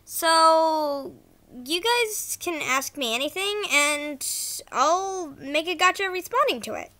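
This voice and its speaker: High-voiced woman making informal announcements. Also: sharp tone. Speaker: animation series creator and narrator.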